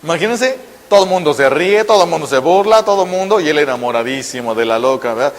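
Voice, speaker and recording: A man preaches with a high voice, lively and storytelling, slipping into the voices of the people he describes. The sound carries a long echo, as in a church hall. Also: fast talker. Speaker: priest. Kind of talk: sermon.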